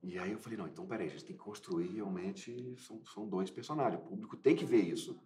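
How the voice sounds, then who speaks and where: A low-voiced man from Minas Gerais talks about his acting work, circling back with fillers and restarts as he searches for words. The room around him rings with echo. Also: fast, darkish tone. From Minas Gerais, Brazil. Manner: hesitant, many repeated fillers and restarts. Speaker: actor interviewed about his film. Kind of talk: casual interview answers.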